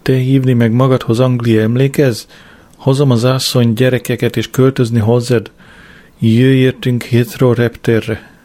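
A man's voice: medium pitch, flat delivery, darkish tone, close to an everyday voice. A man doing a pushy foreigner in broken speech. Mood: insistent. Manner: broken grammar, slow and insistent.

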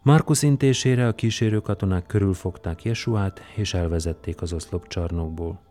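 A man narrating an audiobook in a measured, even manner. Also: low voice. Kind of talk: scripted narration.

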